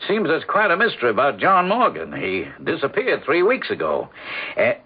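An actor playing a folksy, businesslike small-town lawyer in a 1970s radio drama, with hesitant interjections. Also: male voice, fairly high pitch, huge pitch swings, moderate pace, breathy edge, exaggerated voice. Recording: narrow, dull vintage radio recording.

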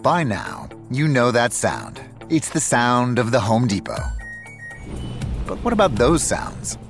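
Animated male commercial voice-over. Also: medium pitch, takes it slowly, vocal fry, faint music behind. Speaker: advertising voice-over. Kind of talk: scripted retail commercial read.

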